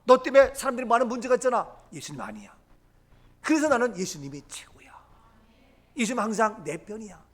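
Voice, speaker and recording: A middle-aged male pastor preaching a sermon with emphasis, moving between loud declarations and low murmurs and acting out quoted lines. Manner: acts out quoted lines of Jesus and the crowd.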